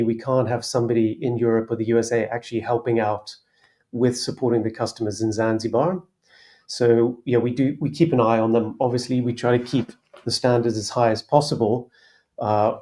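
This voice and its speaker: A man speaking as a guest on a panel, explaining his company's work in a relaxed way, pausing often with fillers and restarts. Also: medium pitch. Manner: relaxed, hesitant with many fillers. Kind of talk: casual panel discussion.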